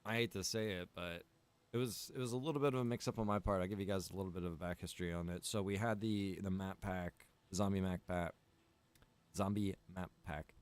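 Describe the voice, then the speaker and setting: A man with a somewhat low-pitched voice talks casually as a game streamer. He rambles and thinks aloud, circling around his point in an informal way. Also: steady tone, brisk, clean tone. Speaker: streamer and server developer. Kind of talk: casual gaming stream chat.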